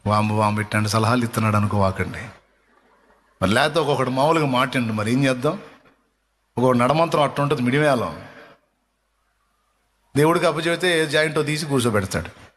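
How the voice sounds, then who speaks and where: A man preaching a sermon as a pastor, with emphatic repetition and slowing down for stress. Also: mid-range voice, fairly bright tone, long reverb tail, slight background noise.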